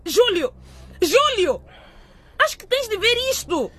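A woman's voice: very high-pitched, very animated, slow, a bit bright, no room sound, exaggerated voice. A woman playing an emotional, exasperated middle-aged mother of a teenage son in a radio drama. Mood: shocked, exasperated.

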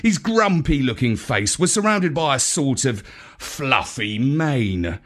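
A man narrating a children's space story in an expressive, dramatic, measured way, as a wry dog adventurer. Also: medium pitch.

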